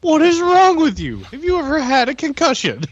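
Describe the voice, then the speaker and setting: Very animated woman, bantering. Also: sits high, moderate pace, no echo, lo-fi sound. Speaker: tabletop game player. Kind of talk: casual banter.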